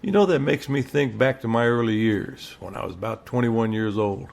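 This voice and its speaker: Male actor as friendly captain, mid pitch, gravelly fry, plain-spoken, polite, audio drama. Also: moderate pace, darkish tone, natural voice. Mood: friendly, nostalgic. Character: friendly, reminiscing middle-aged captain.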